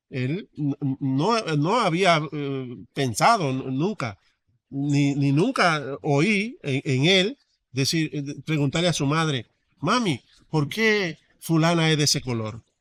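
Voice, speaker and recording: With a Dominican accent, a man speaks at a very slow pace with a fairly high pitch and lively intonation, in a dry, close sound with no echo. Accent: Dominican, noticed by Galicians. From Dominican Republic. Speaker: immigrant, son of Galician emigrant. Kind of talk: testimony in podcast conversation. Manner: halting, many repetitions and fillers.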